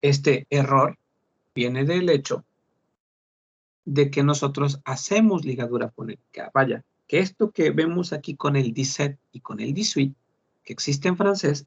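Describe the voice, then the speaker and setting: Slow husky male language teacher. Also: fairly high pitch. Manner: slow, repeating words to model pronunciation. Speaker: French teacher. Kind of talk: online class lesson. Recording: dull lo-fi class recording.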